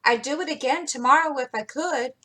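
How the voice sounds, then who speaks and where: A woman's voice: sits high, brisk, bright, forceful tone, voice pushed up. A woman reading aloud as an impulsive, spirited teenage girl telling her own tale. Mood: tearful.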